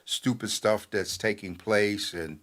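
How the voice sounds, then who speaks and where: An older man with a fairly low voice, talking as a newspaper editor on a talk program. He speaks in a measured, halting way and fills his pauses with many uhs and ums. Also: fairly even intonation, fairly bright tone. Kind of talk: radio talk commentary.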